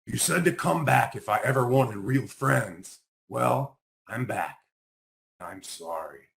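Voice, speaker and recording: A man's voice: mid-range voice, animated, takes it slowly, vocal fry, fairly bright tone, heavily acted. A man voicing a lonely, spiteful young male alligator in a picture book, with a defiant, grumbling manner. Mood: remorseful.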